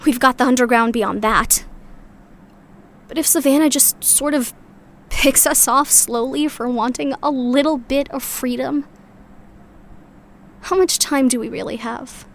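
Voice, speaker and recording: A woman's voice: high voice, unhurried, long pauses. A woman playing a weary, loyal member of a sci-fi underground community in an audio drama, speaking in a reflective, earnest way. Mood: doubtful, frustrated.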